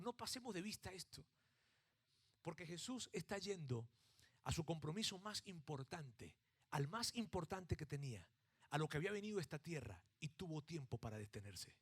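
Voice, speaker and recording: This pastor, a middle-aged man from Mexico, speaks with a Mexican accent in a high, husky voice. He tells his sermon's stories with animation, swinging from shouted reenactments to quiet, hushed points.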